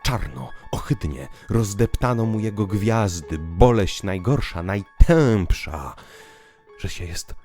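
A man narrating literary prose in a theatrical, declamatory way, moving between hushed and emphatic delivery. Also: fairly low pitch, lively intonation, takes it slowly. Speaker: audiobook narrator. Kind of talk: dramatic literary narration with piano music. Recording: piano music behind the voice. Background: piano music.

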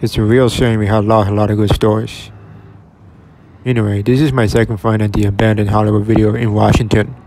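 A man's voice: lowish voice, little pitch movement, fairly quick, a little mellow. A young man from Oregon giving casual, matter-of-fact narration while touring an empty store. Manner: plain, matter-of-fact commentary. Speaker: retail explorer vlogger.

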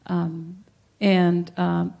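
A woman's voice: lowish voice, completely flat delivery, very slow, creaky, muffled recording. A woman from the audience asking a question hesitantly, restarting and searching for words. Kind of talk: question from the floor. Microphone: handheld microphone.

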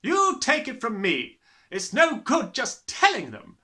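A man voicing a harsh, sneering, bullying middle-aged headmistress in a children's storybook, with snapping, drawn-out emphasis. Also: very high voice, huge pitch swings, pushed and bright, voice pushed up, exaggerated voice. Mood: smug, instructive. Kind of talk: dramatised children's storybook reading.

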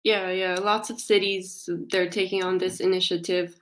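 A woman's voice: fairly low pitch, flat delivery, moderate pace. A young woman in her twenties, a company representative, explaining casually in a remote interview with many fillers, heard over a video call from a small room. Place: small indoor room, plain wall. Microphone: video call, laptop camera.

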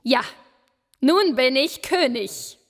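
A woman's voice: sits high, lively intonation, slow, exaggerated voice. Bossy greedy fisherman's wife. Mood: imperious. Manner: bossy and insistent. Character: greedy, demanding fisherman's wife, never satisfied. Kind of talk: German radio play acting.

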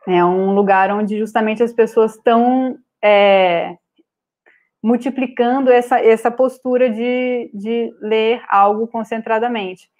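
A woman with a Brazilian Portuguese accent giving an online lecture over slides, pausing often with fillers and restarts. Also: on the high side, fairly even intonation, darkish tone. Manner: hesitant, many filler "é" and restarts. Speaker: guest speaker on art publishing. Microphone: video call webcam.

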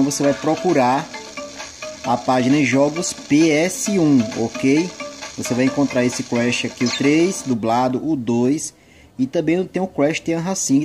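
A man with a Brazilian accent giving casual gameplay commentary as a channel host. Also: medium pitch. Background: game music.

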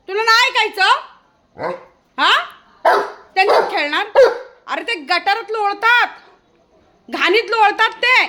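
A woman's voice: very high voice, pushed and bright, a little hiss or hum. A woman vlogging outdoors as she teases and scolds her dog, laughing often. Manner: scolding and teasing, with frequent laughter. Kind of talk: casual vlog talk to her dog. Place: outdoors in an open ground.

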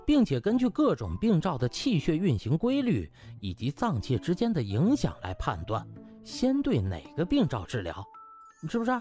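A man's voice: a little high, huge pitch swings, normal speed, mellow, soft background music. A man voicing a cocky, glib young doctor in a comic audiobook, chatty, mock-humble and needling. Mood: condescending.

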